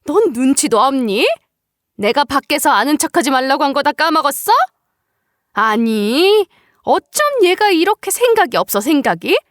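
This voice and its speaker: A cruel older mother-in-law, a doctor, sneers and scolds with open contempt, as a woman voices her. Her voice sits high and swings widely from line to line. It is recorded dry and close for a story reading. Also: lively intonation, normal speed, no echo. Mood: scolding.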